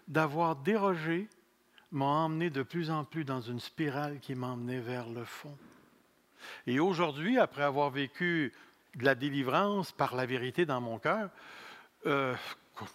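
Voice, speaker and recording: Slow-preaching Québécois pastor in his sixties. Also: mid-range voice, fairly bright tone. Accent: Québécois French. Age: 60s. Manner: slow, deliberate preaching with repeated phrases and self-mocking humor. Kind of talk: sermon.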